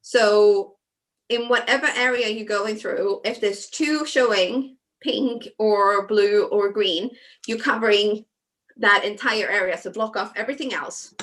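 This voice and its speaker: A woman from Sweden talking casually as a craft show guest over a video call, chatty with many fillers and soft asides. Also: mid-range voice, measured pace, poor audio. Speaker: guest designer. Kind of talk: casual chat while crafting.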